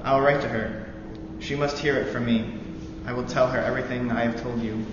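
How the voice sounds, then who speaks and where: Young man reading in an echoey hall. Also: medium pitch. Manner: halting intro with many fillers, then steady earnest reading. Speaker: student veteran reading aloud. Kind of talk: live reading of a novel passage. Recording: roomy echoey hall, dull lo-fi sound, noisy.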